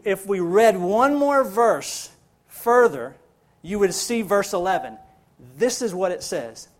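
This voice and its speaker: High-voiced, slow-preaching male pastor. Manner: preaching with rising emphasis, repeats phrases for stress. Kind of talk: sermon.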